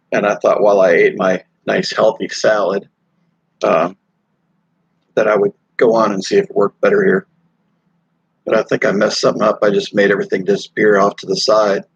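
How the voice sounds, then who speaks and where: Gravelly middle-aged man rambling on a live stream. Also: fairly low pitch, no room sound. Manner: rambling, halting, with many fillers and restarts. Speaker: motorcycle vlogger live streaming. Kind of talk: casual live stream chat. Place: hotel or rest stop while traveling. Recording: dull lo-fi dry sound.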